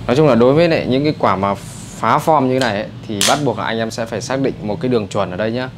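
A man with a Northern Vietnamese accent giving a brisk, chatty hands-on haircut tutorial in a barbershop. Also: mid-range voice, noisy background. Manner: brisk, chatty, addresses viewers as brothers. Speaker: barber instructor. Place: barbershop indoors.

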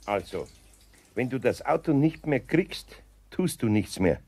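A man's voice: medium pitch, very animated, a little slow, darkish tone, slightly rough, heavily acted. A man playing an older Bavarian craftsman in a children's audio drama, firm but patient, admonishing dryly in a colloquial way.

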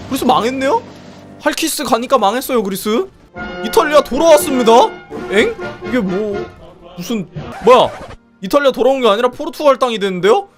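Young male streamer, excitable play-by-play, slightly strained voice. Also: very high voice, a little fast, faint music behind. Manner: animated, exclaiming, laughing often, swearing. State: strained voice from singing. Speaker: streamer commentating a multiplayer strategy game. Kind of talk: excited live game commentary.

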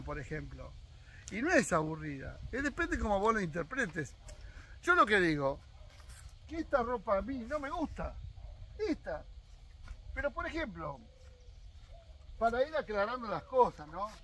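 Lively older Argentine man, high voice. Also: moderate pace, pauses often. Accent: Argentine Spanish. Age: 60s. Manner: opinionated, talks straight to viewers. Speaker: fishing vlogger. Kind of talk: casual opinion monologue. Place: outdoors on his own rural land.

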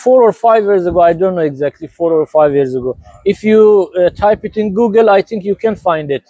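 A man's voice: high voice, expressive, brisk, warm tone, dry recording. A man with an Iranian accent, Persian his first language, talking earnestly in a casual street interview and often searching for words. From Iran.

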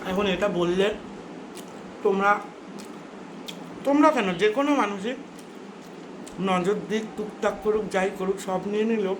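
A woman's voice: medium pitch, unhurried, pauses often. Woman chatting with her mouth full. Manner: talks while eating, mouth often full. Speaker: vlogger. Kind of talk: casual mukbang chat. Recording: roomy echo, clearly noisy background.

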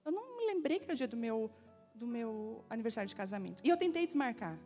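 High-voiced woman pastor telling stories. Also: fast, soft background music. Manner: animated storytelling with acted-out dialogue. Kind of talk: sermon. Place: church.

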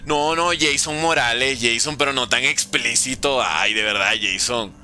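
Soft music plays beneath this streamer's mid-range voice, which is pushed and bright and moves at a normal speed. He chats casually while playing a video game, joking in slang and reading his viewers' messages aloud.

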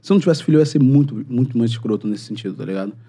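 A man, a podcast guest telling a story in a casual, animated and slangy way, acting out what people said. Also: medium pitch, rapid-fire, slightly rough. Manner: animated, slangy, acts out quotes.

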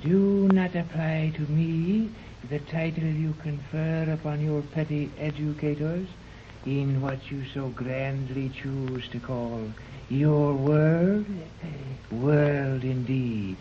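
A cold, superior master of a secret scientific island, talking down to strangers in a slow, measured way. His voice sits at a middling pitch. It comes through a dull, lo-fi 1930s radio recording with a faint hiss. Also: steady tone. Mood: haughty. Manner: slow, pompous and condescending. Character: haughty superior man of a hidden scientific colony. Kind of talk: 1930s radio drama acting.

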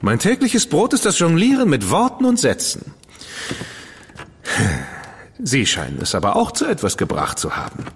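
An actor playing a witty, flamboyant dandy writer in a radio drama, speaking in a theatrical, playful and flowery manner. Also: male voice, fairly high pitch, huge pitch swings, fairly quick, husky, in a large hall, full character voice. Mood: amused, flowery. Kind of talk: German studio radio drama acting.

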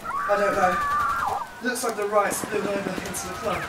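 A woman's voice: medium pitch, fairly even intonation, moderate pace, close to an everyday voice. A woman playing an urgent, insistent young woman leading her frightened friends in an audio drama. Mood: anxious, challenging. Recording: noisy, distant, roomy audio drama scene.

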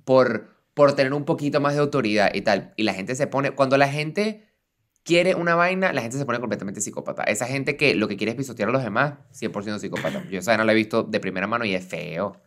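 A young man with a Venezuelan accent co-hosting a casual podcast, expressive and reactive. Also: medium pitch, a little fast. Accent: Venezuelan Spanish. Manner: expressive, reacts with repeated exclamations. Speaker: podcast co-host. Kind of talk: casual chat, reading listener stories.

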